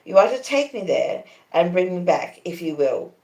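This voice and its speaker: A woman's voice: fairly low pitch, very animated, moderate pace, a little mellow. A woman with an Australian accent reading the part of a cold, proud, careless young society lady in a curt, imperious manner. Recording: roomy, echoing conservatory sound.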